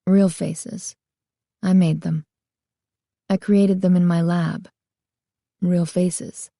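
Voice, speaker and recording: A woman reading aloud, voicing a quiet, sorrowful male mask maker who speaks softly, close to a whisper. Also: on the low side, level tone, very slow, vocal fry, dry recording, heavily acted. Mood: hushed. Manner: soft, hushed, half-whispering.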